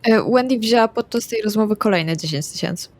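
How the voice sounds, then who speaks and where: A woman's voice: medium pitch, brisk, a little mellow. A woman playing a tabletop roleplaying game, speaking casual in-character dialogue.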